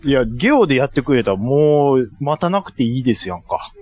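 Playful Kansai man, lively pitch. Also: a little fast, husky. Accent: Kansai Japanese. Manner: playful, jokey, polite to the host. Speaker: podcast co-host. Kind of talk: casual chat.

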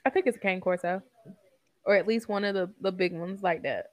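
A woman chatting casually while reacting to a show, telling stories and laughing often. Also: a little fast. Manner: animated storyteller, laughs often, acts out quotes in high voices.

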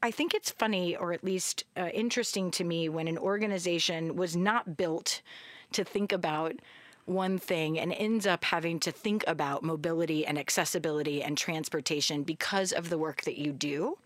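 Brief: woman podcast host, lilt, chatty and giggly, lowish voice, dry close mic. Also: normal speed, dry recording. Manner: giggly, chatty, many fillers. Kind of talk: casual interview chat.

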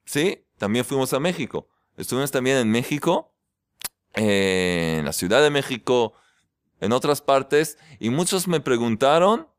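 A man in a yeshiva teaching a lively religious class in a cheerful, joking way. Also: mid-range voice, smooth, dry recording, studio quality. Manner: cheerful and joking, keeps exclaiming with delight. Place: yeshiva study hall.

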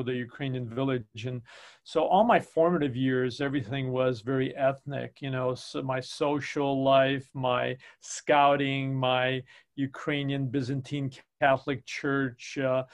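An older man, a volleyball coach who grew up in Chicago, telling his long career story in a casual interview with many ums and uhs. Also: medium pitch. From Chicago, United States.

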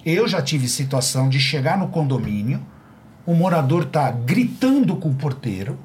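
A man's voice: fairly high pitch, normal speed, a little hiss or hum. A middle-aged man in a casual panel conversation, telling anecdotes and acting out the dialogue of the people in them. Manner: animated storyteller acting out quoted dialogue.

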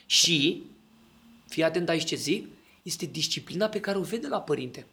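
A man's voice: a little high, lively intonation, pushed and bright. A man in casual podcast talk, explaining his ideas and often checking that the listener agrees.

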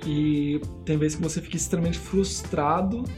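A Brazilian man with a fairly high voice tells a story in a relaxed, chatty way. He is lively and acts out the other voices in it. Soft music plays under him. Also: normal speed. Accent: Brazilian Portuguese. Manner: animated, acts out voices in his stories. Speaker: missionary guest. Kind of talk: casual storytelling.

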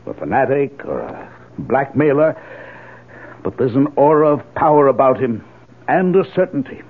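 A man's voice: mid-range voice, sing-song, normal speed, breathy edge. An actor with an American accent playing an anxious, hesitant middle-aged father in a 1970s radio drama. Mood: anxious, insistent. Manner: hesitant, uneasy. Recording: tinny, phone-like old radio broadcast.

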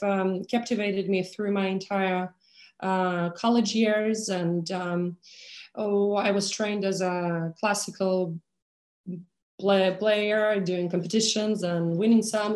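A woman speaks in a loose, conversational way, pausing often and filling gaps with soft hesitations and laughter. Her voice sits at an ordinary pitch. The room around her sounds echoey and open. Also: fairly even intonation. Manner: hesitant, many fillers, laughs easily. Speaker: opera conductor and pianist, interview guest. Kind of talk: casual conversational interview. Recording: roomy echo.

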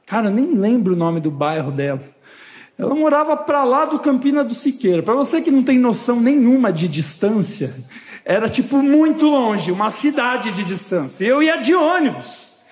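High-voiced animated pastor. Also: male voice, normal speed. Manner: animated, lively storytelling with quoted dialogue. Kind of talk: sermon with personal storytelling. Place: church hall. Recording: long hall reverb.

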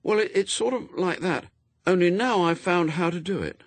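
A self-assured young boy leading his gang in an audiobook, acted by a man. His voice is pitched up, airy and matter-of-fact. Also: moderate pace, no room sound. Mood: cautious.

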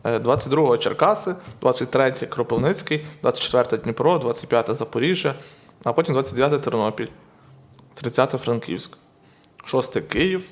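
Fast-talking young Ukrainian man, halting. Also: mid-range voice. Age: 20s. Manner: hesitant, many fillers and restarts. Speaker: comedian podcast co-host. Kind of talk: casual podcast chat.

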